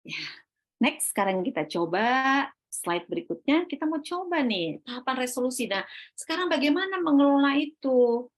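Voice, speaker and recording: A woman delivers a parenting talk to a room of parents. Her voice sits somewhat high and she keeps it animated, firing off rhetorical questions and slipping into her own self-talk. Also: normal speed. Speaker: parenting seminar speaker.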